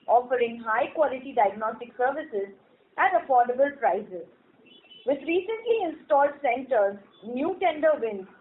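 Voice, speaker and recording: Tinny phone audio, indian lady exec reading out a formal company script, pretty high voice, measured. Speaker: company executive presenting on an earnings call. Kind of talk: formal scripted corporate presentation. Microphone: telephone conference call. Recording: tinny narrowband conference phone line.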